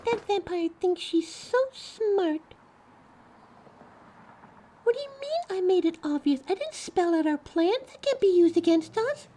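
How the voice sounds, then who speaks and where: A woman's voice: extremely high pitch, animated, measured pace, warm tone, rough recording. A woman playing a flustered, defensive young thief with electric powers in an audio drama, chatty and indignant. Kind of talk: scripted audio drama, one side of a phone call. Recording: clear background noise, coffee house ambience.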